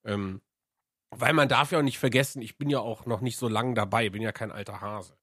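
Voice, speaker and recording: A man's voice: medium pitch, a little fast, fairly bright tone, breathy edge, no room sound, clean studio sound. A man co-hosting a podcast, a streamer chatting casually and laughing easily. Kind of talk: casual chat.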